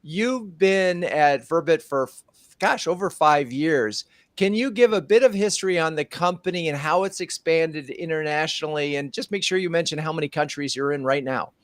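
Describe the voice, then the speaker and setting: A man's voice: fairly high pitch, moderate pace, a bit bright, dry recording. Male host, upbeat and chatty, home studio, dry mic. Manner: upbeat, scripted welcome then chatty questions. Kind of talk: live streamed marketing show.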